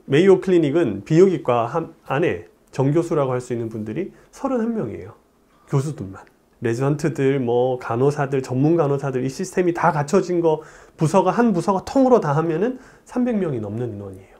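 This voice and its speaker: A man in his forties, a urologist, talks to camera in a plain studio through a lapel mic, explaining things in a chatty, storytelling way. His voice is fairly high and brisk, and he's animated, gesturing with his hands.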